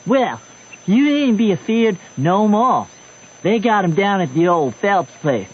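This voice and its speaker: A man's voice: high-pitched, expressive, a little slow. An actor playing an eager, gossipy backwoods boy with a rustic American Southern dialect in a radio drama. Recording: muffled old radio recording, noisy.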